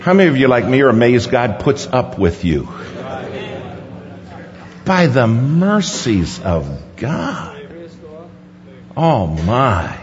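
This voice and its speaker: A man preaching a sermon in a large conference hall, emphatic, dropping to hushed low lines and rising to sudden high stresses, in a dull recording with long hall reverb. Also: very animated, slow pace, long pauses, a crowd in the background.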